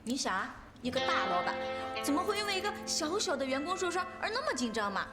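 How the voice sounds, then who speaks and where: A fast, teasing office gossip. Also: female voice, high voice, big pitch swings. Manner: chatty and insinuating. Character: gossipy young female coworker, teasing. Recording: roomy drama recording, faint music.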